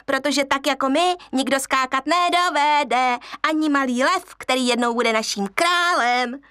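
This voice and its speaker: A woman's voice: high voice, pushed and bright, dry recording, studio quality, pitched above the performer's own voice. A woman voicing a troop of boastful monkeys who shriek and brag.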